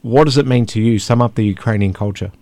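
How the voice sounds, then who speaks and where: A man's voice: mid-range voice, fast, mellow, no room sound. A male radio host, asking friendly, curious questions in a casual interview.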